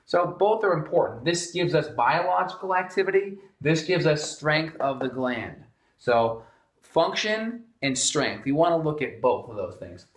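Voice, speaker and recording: A man's voice: a little high, sing-song, unhurried, reverberant. A man, a functional medicine doctor, explaining thyroid lab tests at a whiteboard and often starting with "so again". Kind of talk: whiteboard health lesson.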